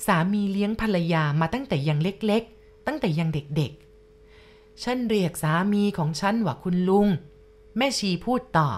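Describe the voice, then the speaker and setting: A woman telling a first-person ghost story at a slow, confiding pace, speaking straight to the listener. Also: mid-range voice, lively intonation, a little mellow.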